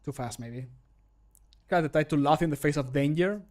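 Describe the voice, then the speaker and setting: Higher-voiced man chatting casually on stream. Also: normal speed, a little mellow. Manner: jokey, self-deprecating, thinking aloud. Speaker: streamer, game modder recording voice lines. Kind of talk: casual livestream chat. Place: small home room, indoors.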